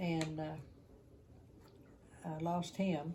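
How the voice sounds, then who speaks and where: The voice is somewhat breathy, with a dark, mellow tone and monotone, flat intonation. Audible room echo surrounds it. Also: woman. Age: 80s+. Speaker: elderly mother giving testimony. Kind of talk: testimony interview. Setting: at home.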